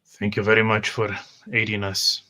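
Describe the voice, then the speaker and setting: A low-pitched man with a bright, crisp-edged tone plays a tabletop game. He states his character's actions briefly and politely, with little rise or fall. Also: monotone, moderate pace.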